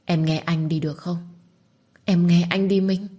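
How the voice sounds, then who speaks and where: A woman's voice: on the low side, fairly even intonation, a little slow, slightly rough. A woman voicing a conflicted young man who speaks with pained guilt. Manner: pained, pleading softly.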